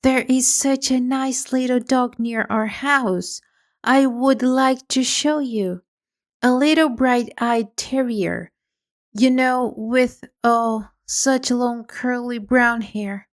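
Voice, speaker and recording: A woman's voice: a little high, fairly even intonation, takes it slowly. A woman doing a polite, curious young girl.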